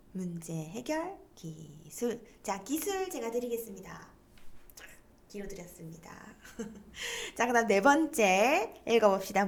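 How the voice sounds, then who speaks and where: A middle-aged woman giving a lecture, explaining terms and leading students to read aloud together. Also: on the high side. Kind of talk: online lecture on stress coping.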